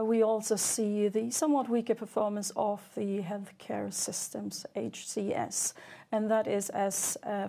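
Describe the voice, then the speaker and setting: Female CFO for an earnings call: soft-edged, warm timbre with noticeable fry, measured and businesslike. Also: medium pitch. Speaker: chief financial officer.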